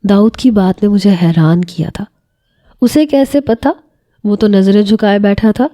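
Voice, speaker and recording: A woman telling a first-person romantic story in scripted narration, with a measured, emotional delivery. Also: mid-range voice, dark tone.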